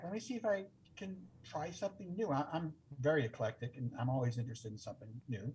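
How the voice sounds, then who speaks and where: A man speaks at a very fast pace. His pitch swings very widely. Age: 60s. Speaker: retired scientist and photographer. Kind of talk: casual chat.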